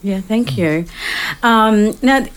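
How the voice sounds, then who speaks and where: A woman's voice: medium pitch, slow pace, clear, resonant tone, poor audio. An Australian woman hosting a talk radio show, speaking in an easygoing way with frequent ums. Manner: relaxed, hesitant with many ums.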